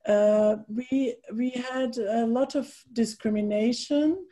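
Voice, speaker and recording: A woman in her fifties with a German accent, hosting a casual video-call interview with slow, thoughtful phrasing and many pauses. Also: fairly high pitch, steady tone, warm tone. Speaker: interviewer host.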